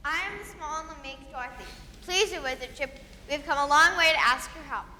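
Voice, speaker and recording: A woman's voice: high voice, fairly quick, bright, forceful tone. A woman playing an earnest, meek little farm girl, polite and pleading, in a children's stage play. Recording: echoey hall, faint noise.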